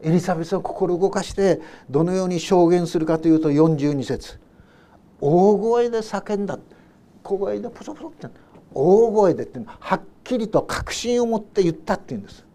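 A male pastor giving a Sunday sermon, reading Bible verses and explaining them in an unhurried way with soft asides. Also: high-pitched. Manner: reads scripture verses aloud and then paraphrases them. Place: church service.

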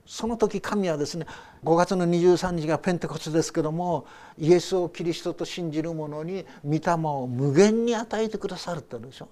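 Older man preaching a sermon, higher voice. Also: a little fast, warm tone. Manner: conversational storytelling with rhetorical questions. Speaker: pastor.

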